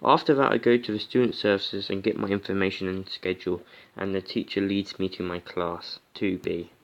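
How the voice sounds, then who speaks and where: A man's voice: low-pitched, fairly even intonation, a little fast, highs cut off. A man hosting a let's play, chatting casually and reading a visual novel aloud. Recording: music behind the voice. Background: music.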